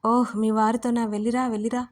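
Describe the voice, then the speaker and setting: A cheerful young bride-to-be teases and insists, as a woman reader puts her on, her voice a little high and kept fairly level. Told as a storybook audio drama. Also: flat delivery, fairly quick, lightly acted. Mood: teasing. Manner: playful, insistent.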